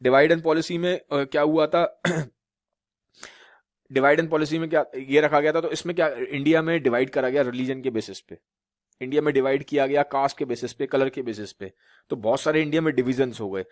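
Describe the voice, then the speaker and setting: A male teacher from Uttar Pradesh, India, gives a classroom lecture in Hindi mixed with English terms, repeatedly posing rhetorical questions and often checking "theek hai" to make sure students follow. His voice is medium-pitched with fairly even intonation at a normal speed. The audio is studio quality with no echo.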